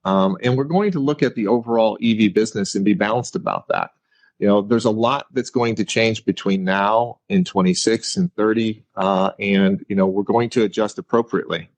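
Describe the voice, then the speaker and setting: A man speaking as a company executive, giving measured, careful business answers on an earnings call. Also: lowish voice, lively intonation, dry recording.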